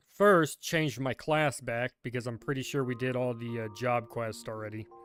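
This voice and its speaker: Music plays in the background as a man with a medium-pitched voice talks at a moderate pace with ordinary pitch variation. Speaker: gaming streamer. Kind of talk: live gameplay commentary. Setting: livestream. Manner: casual, conversational.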